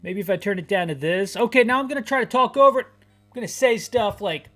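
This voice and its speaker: A man's voice: high voice, quick pace, a bit bright, soft background music. A man in his thirties giving rambling, hyper gameplay commentary as he describes a video game aloud for listeners. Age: 30s. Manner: rambling, hyper, self-deprecating. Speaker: gaming YouTuber.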